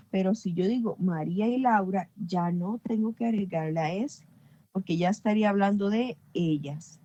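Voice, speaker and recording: A woman's voice: mid-range voice, warm tone, no echo, lo-fi sound. A woman teaching an English grammar class online, explaining patiently and often checking understanding.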